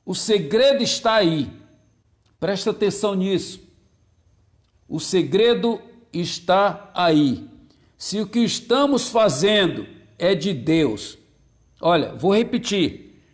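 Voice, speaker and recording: A male pastor preaching a sermon, repeating key phrases and greeting viewers by name between points. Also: expressive. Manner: slows and drops low on key phrases, repeats them.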